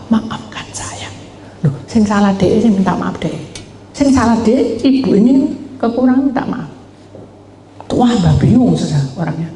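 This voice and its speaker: A woman pastor preaches in a lively storytelling way and acts out the people in her stories. Her voice is mellow and dark. The sound is echoey, with a long reverb from a large church hall. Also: fairly low pitch. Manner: animated storytelling, acting out quoted voices, addresses congregation. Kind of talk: sermon.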